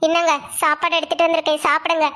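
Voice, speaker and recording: A woman voicing a practical, sharp-tongued middle-aged wife who coaxes and teases her husband. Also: extremely high pitch, monotone, very fast. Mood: coaxing. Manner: coaxing then teasing. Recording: soft music underneath.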